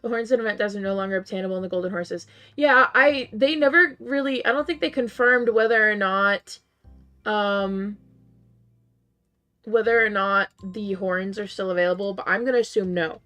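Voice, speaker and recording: A slightly hoarse woman streamer, losing her voice a little, chatting casually with her viewers, laughing often and filling pauses with "um". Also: medium pitch, pushed and bright, faint music behind. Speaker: game streamer. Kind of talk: casual live-stream chat.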